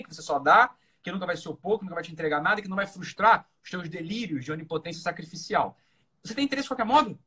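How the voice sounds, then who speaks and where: A man with a Brazilian accent giving informal, opinionated advice in a blunt, emphatic way, repeating phrases and asking rhetorical questions, with a husky voice. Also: fairly high pitch, pushed and bright. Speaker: live-talk host giving relationship advice.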